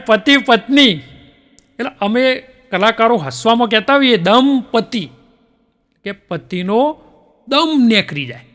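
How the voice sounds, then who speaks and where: High-voiced man telling jokes in a hall. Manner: lively storyteller acting out characters' lines. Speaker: stand-up comedian. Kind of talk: stand-up joke telling. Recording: long hall reverb.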